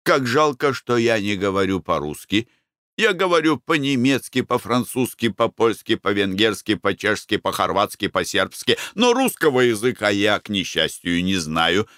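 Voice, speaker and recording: A man voicing a pushy, fawning hotel tout who chatters without pause, in a raised voice. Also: fairly low pitch, very animated, a bit bright, clear, resonant tone, no room sound, studio quality.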